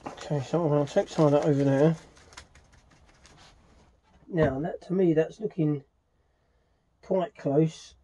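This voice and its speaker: A middle-aged man giving a casual hands-on tutorial as a restorer, haltingly thinking aloud as he works. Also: fairly high pitch, dark tone. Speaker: furniture restorer demonstrating his work. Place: small cluttered indoor workshop.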